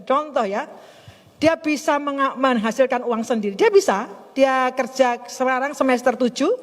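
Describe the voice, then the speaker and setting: A middle-aged woman pastor preaching a sermon in a chatty, animated storytelling way, laughing often. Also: fairly high pitch. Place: church service in a hotel hall. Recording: long hall reverb.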